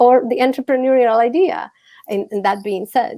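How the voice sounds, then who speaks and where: A woman with a non-native accent speaks at a moderate pace in a dark, mellow tone, her fairly high pitch moving with ordinary variation. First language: not English. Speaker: entrepreneur and author. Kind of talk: panel discussion.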